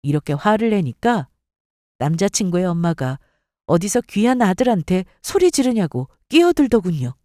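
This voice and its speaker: Woman storyteller, first-person narration, lively pitch, dry close mic. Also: normal speed, no room sound.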